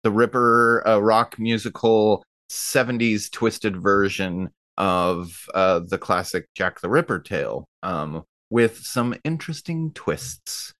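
A man's voice: on the low side, takes it slowly, hardly any pauses, fairly bright tone, no echo, studio quality. A man, a podcast player and stage actor, chatting casually about what he is working on. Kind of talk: casual chat.

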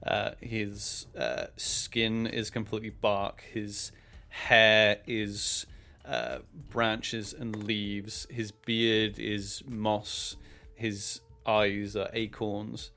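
A man working as game master, improvising descriptive narration for a tabletop game with hesitant pauses mid-phrase. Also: lowish voice, monotone, sharp tone.

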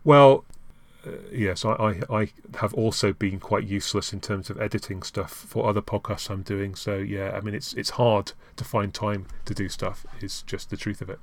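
Halting, dry-humoured male podcast host. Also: fairly low pitch, steady tone. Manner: halting, repeats words, dry self-mocking humour. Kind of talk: casual podcast chat.

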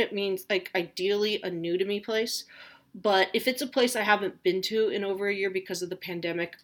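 A woman in her forties hosting a casual solo podcast from home, chatty and rambling, with a self-deprecating humor. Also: lowish voice. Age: 40s. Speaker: podcast host.

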